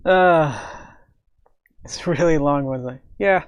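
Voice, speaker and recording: Raspy man with a cold, streaming. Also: on the high side, slow pace, dry recording. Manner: rambling, with many fillers and stammered restarts. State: coming down with a cold, sore throat. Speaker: live streamer. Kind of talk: casual live-stream chat.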